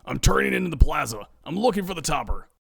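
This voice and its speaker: Frustrated male delivery driver for a story, acted by the male narrator, higher-pitched, urgent delivery. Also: sing-song, fast talker, creaky, fairly bright tone, breathy edge, no room sound, clean studio sound, exaggerated voice. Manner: urgent, emphatic.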